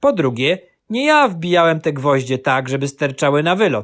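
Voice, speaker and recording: A man's pitch rises and falls very widely in a very clean recording with total background silence. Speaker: audiobook narrator. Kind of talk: dramatic narration, reading aloud a children's story with voiced characters. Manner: animated, playful boyish storytelling; shifts tone between characters: scolding mother, chatty aunt.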